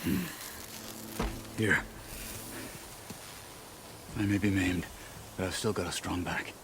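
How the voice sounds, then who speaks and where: An actor playing a proud, reluctant, battle-maimed tribal warrior with a grave, wry delivery in a video game. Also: male voice, low-pitched, steady tone, slow pace, background noise. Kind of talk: video game cutscene acting. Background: loud game music.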